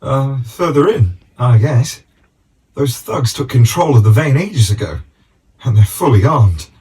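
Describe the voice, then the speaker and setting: A man's voice: medium pitch, lively intonation, a little slow, a little mellow, recorded from a distance, natural voice, poor audio. Man playing a weary old British granddad miner. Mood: weary, aggrieved. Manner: hesitant, bewildered, complaining. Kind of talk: video game voice acting.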